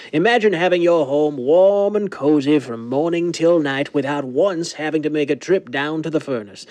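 Man as higher-pitched vintage radio pitchman, dry sound. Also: darkish tone, no room sound, lightly acted. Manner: persuasive, measured. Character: folksy, earnest male heating-expert radio pitchman. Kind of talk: 1930s radio advertisement.

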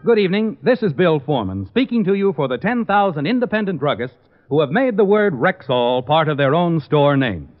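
A polished, salesmanlike man announcing for a sponsor in 1940s radio style. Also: a little high. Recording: muffled old radio broadcast, music behind.

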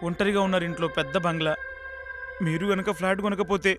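A man's voice: high-pitched, steady tone, brisk, over music, natural voice. An actor playing a desperate, pushy real estate salesman in a comic film, who wheedles and pleads with a customer and rants in asides. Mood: pleading.

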